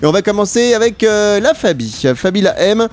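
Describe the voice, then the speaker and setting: A man's voice: high-pitched, animated, normal speed, darkish tone. A man hosting a radio show with playful, teasing, colloquial banter. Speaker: radio host. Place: radio studio.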